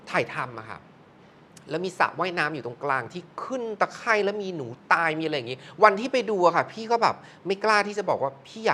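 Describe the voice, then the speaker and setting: A woman's voice: sits low, a bit bright, a little hiss or hum. A middle-aged woman telling a haunted film-set story in casual conversation, acting out quoted voices expressively. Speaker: film producer or director.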